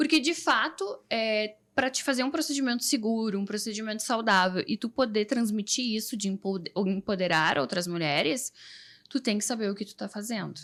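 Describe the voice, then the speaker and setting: A woman's plain, everyday voice at a fairly high pitch, with lively intonation and a moderate pace. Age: 30s. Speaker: lash designer and beauty educator. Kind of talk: podcast interview.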